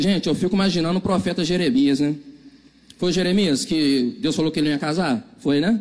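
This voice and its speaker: A man's high, animated voice with a Brazilian accent, lively intonation and a fairly quick pace. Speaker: preacher. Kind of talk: sermon with scripture reading. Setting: church. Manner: animated, conversational; informal, humorous, laughs.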